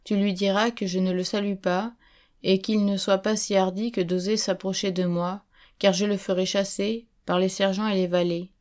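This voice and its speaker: A woman's voice: mid-range voice, little pitch movement, normal speed, a little mellow, lightly acted. A woman reading the lines of a proud medieval queen in a stately, reproachful way. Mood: cold.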